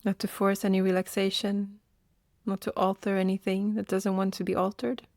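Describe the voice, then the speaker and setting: A woman guides a meditation, speaking gently and leaving long pauses between short phrases. Her voice has a noticeable creak at a middle pitch. The sound is very dry, with no room around it. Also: level tone, no room sound.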